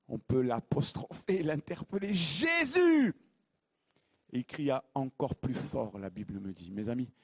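A man preaching a sermon with a warm, dark and slightly husky voice. He leans hard on his key phrases and repeats them, rising to loud bursts and dropping to hushed lines. The sound is dry and close. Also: mid-range voice, no room sound. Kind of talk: sermon with Bible reading.

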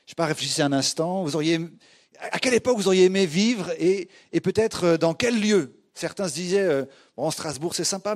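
A man from France preaching to a congregation in a conversational, hesitant way, often addressing listeners directly. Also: high voice. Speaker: guest pastor, church movement leader. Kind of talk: sermon to a congregation.

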